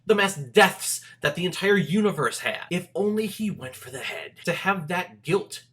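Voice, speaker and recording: A man's voice: sits high, expressive, normal speed, fairly bright tone. A man hosting a casual movie review, talking straight to viewers in an emphatic, conversational, joking way.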